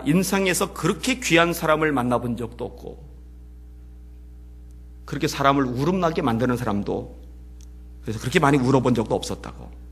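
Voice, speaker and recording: A man preaching as pastor, telling a story and swinging between hushed passages and loud, emotional peaks. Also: medium pitch, breathy edge. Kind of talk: sermon. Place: church.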